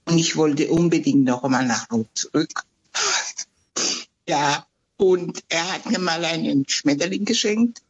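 A woman's voice: low-pitched, measured pace, dull audio, a little hiss or hum. A woman in her seventies, born in Italy, answering interview questions in a chatty, plain-spoken way with fillers and hesitations. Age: 70s. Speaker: interview guest.

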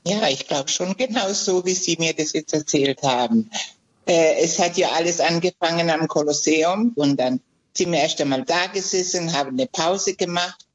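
A woman in her seventies, born in Italy, talks in a chatty, hesitant way, often stopping on fillers. Her voice sits at a middle pitch and is slightly husky. The line sounds dull and lo-fi. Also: moderate pace. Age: 70s. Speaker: interview guest. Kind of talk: casual interview answers.

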